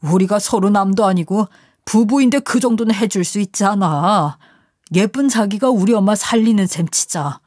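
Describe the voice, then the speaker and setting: A woman's voice: medium pitch, animated, a little slow, a little mellow, breathy edge, dry recording, studio quality. A woman playing a menacing, manipulative husband. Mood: coaxing. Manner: coaxing turning to menacing. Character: manipulative, threatening middle-aged husband. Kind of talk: audio story acting.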